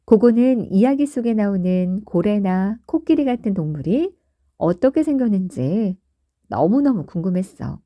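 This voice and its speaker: A woman narrating a bedtime story in a soft, soothing, lilting way. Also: mid-range voice, lively intonation, moderate pace, no echo, highs cut off.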